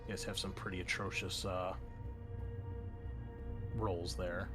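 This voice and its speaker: A man's voice: deep voice, level tone, unhurried, over music. Man refereeing a tabletop game. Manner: informal, explains rules as he goes. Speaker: game master.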